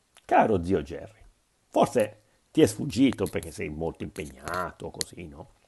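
Over light background noise, a man with a very deep, low pitch speaks at a fairly slow pace in an animated, somewhat breathy tone with lively intonation. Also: big swings in loudness. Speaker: football commentator on YouTube. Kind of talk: angry rant. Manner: sarcastic, indignant; animated, repetitive, mocking. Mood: sarcastic, indignant. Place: home room. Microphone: earbuds.

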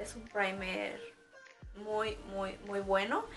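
A woman speaks with clear music in the background. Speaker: beauty vlogger. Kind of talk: makeup tutorial. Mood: friendly and relaxed. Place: home room. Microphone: phone near.

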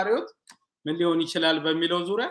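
Audible room echo surrounds a man whose high-pitched voice has a bright, sharp tone. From Ethiopia. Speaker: show host. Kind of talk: political discussion. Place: home room. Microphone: webcam.

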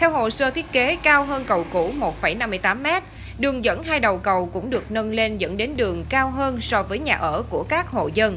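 Against music in the background, a woman with a fairly high pitch talks at a moderate pace with very wide pitch swings. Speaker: news reporter. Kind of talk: scripted news narration.

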